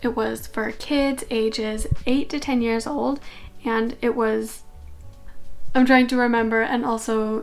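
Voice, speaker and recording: Music plays in the background as a woman speaks at a fairly slow pace. Her pitch is fairly high and her intonation fairly even. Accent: Canadian. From Canada. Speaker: physiotherapy student. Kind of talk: casual talk to camera.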